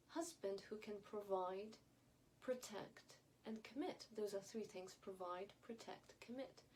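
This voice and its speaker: The online commentator, a woman from Yemen who speaks English as her fourth language, has a fairly high, warm voice. She shares opinionated commentary with viewers in careful, emphatic diction, on a low-quality recording with clear background noise.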